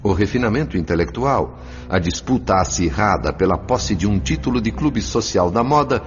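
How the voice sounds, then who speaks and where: A man narrating a dramatized audiobook in a formal, measured, literary manner. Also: low-pitched. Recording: muffled, long reverb, music underneath.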